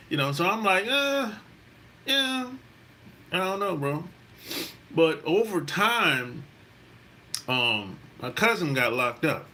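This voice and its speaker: Pushed, bright and a little high, the voice belongs to a middle-aged podcast host from South Carolina. He rambles through a story in a relaxed, profane way, leaning heavily on "you know."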